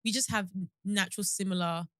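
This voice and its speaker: Young woman, bright voice, chatty and rambling, dry close mic. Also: medium pitch, fairly even intonation, fast, no echo. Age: 20s. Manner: chatty, laughs easily, loose and rambling. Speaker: podcast co-host. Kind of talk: casual chat.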